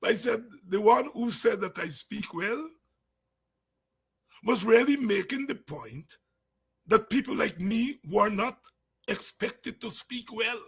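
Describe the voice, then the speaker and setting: Raspy, high-pitched Guyanese man talking emphatically. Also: animated, slow, pauses often. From Guyana, from the countryside. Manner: emphatic, repeats words and phrases, swings from low asides to shouts. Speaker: political commentator and speaker. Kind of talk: impassioned informal talk with anecdotes.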